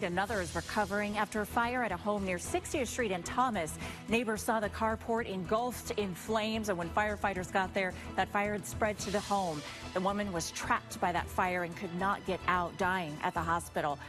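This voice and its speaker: A woman's voice: medium pitch, normal speed. A woman with an American accent reading local news stories as a television co-anchor. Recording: music bed under broadcast voice.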